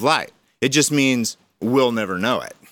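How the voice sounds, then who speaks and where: In a very clean recording with a silent background, the speaker uses an American accent and a bright, sharp tone at a moderate pace with ordinary pitch variation. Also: man. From US South, Georgia. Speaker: pediatric oncologist and philosophy professor. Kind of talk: conversational interview. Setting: radio studio.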